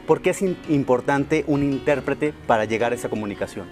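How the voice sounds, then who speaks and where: A man's voice: mid-range voice, a little fast, over music. Mexican man hosting a TV interview. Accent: Mexican Spanish. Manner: affirming, frequent "ajá" and "claro" backchannels. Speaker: TV host.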